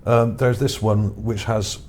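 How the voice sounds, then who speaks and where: A man muses hesitantly over pictures he found, narrating his video off the cuff. The voice is lowish and a little mellow, slow and flat in delivery, with background noise underneath.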